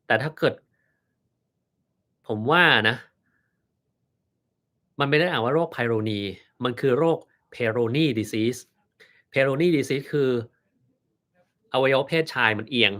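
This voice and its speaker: A man's voice: mid-range voice, pushed and bright. A man, a doctor, reading out viewer questions on a live stream and answering them bluntly, with a dry sense of humor.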